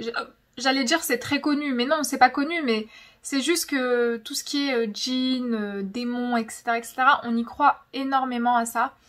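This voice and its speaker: A young woman chatting casually in a storytelling vlog, dramatic and emphatic, often repeating words for effect. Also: high-pitched. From francophone, of Algerian descent. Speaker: YouTube host.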